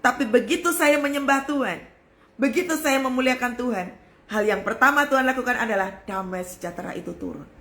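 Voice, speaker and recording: A woman's voice: fairly high pitch, a little fast, fairly bright tone, reverberant. A woman pastor preaching a fervent sermon, often calling out to her listeners. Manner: fervent preaching, addresses listeners as brothers and sisters.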